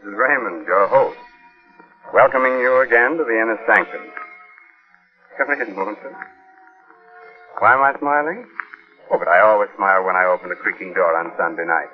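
An actor playing a sly, sinister horror host in the theatrical manner of an old radio announcer. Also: male voice, on the low side, moderate pace, long pauses, lightly acted. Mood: sly, gleeful. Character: ghoulish male horror host, slyly menacing. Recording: muffled 1940s radio recording with music.

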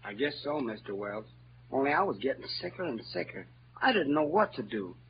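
A man's voice: on the high side, very animated, fairly quick, background noise. An actor playing Huck, a clever boastful frontier boy with a rural Southern dialect, in an old-time radio drama. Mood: troubled. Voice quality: bright, showy, know-it-all delivery. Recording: dull lo-fi old radio recording with music.

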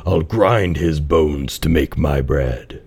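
A man voicing a big fearsome giant, chanting slowly and menacingly. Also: very deep voice, a little mellow, slightly rough, full character voice.

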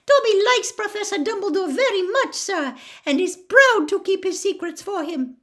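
A woman voicing a nervous, devoted male house-elf from a storybook, with a squeaky voice and servile third-person speech. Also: lively intonation, normal speed, a bit bright, exaggerated voice.

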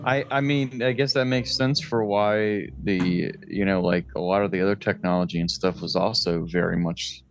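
Deep-voiced man in casual chat. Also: steady tone, normal speed, hardly any pauses. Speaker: podcast co-host.

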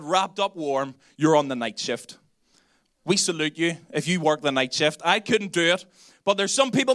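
A man's voice: sits high, pushed and bright, clean tone, no room sound, studio quality. A young man with a Belfast accent preaching a casual, chatty sermon, often putting questions to the congregation. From Northern Ireland. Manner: chatty, self-deprecating, asks the congregation questions.

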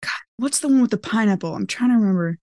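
A woman chats and improvises as a player in a tabletop roleplaying game. She is slangy and playful, with a medium-pitched voice in a dry, close recording. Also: animated, quick pace, warm tone, no room sound. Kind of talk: casual, improvised in-character table talk.

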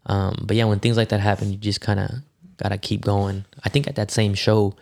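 Gravelly low-voiced man chatting. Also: brisk. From United States. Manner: relaxed storytelling, many fillers and restarts. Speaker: rapper and musician, guest. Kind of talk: casual interview chat.

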